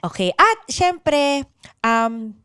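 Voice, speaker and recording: A woman's voice: high voice, sing-song, very slow, pushed and bright, no echo. A woman hosting an improv comedy show and narrating its radio drama into a close studio microphone.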